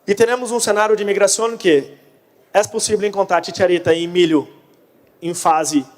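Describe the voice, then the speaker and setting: A man's voice: high-pitched, fairly even intonation, moderate pace. A Brazilian man, a native Portuguese speaker, giving a conference presentation in Portunhol, a mix of Portuguese and Spanish. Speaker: conference speaker on pest control. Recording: echoey hall, long reverb.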